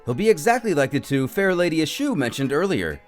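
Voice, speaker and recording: Man playing a courtly, theatrical, high-pitched attendant. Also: very animated, a little fast. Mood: apologetic. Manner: formal, flowery, melodramatic. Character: courtly, theatrical male attendant of a war god. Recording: music behind the voice.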